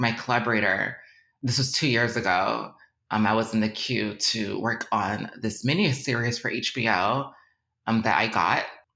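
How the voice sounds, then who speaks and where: Bright and sharp in tone yet very deep and low in pitch, a woman speaks with an American accent amid audible room echo. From Virginia. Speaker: film composer and violinist. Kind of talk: interview.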